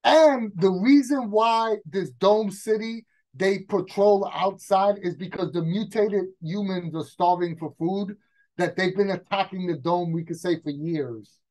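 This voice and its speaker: A man, brainstorming a game scenario as a guest game master in casual chat, talking excitedly with frequent restarts. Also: high voice, unhurried, rough recording.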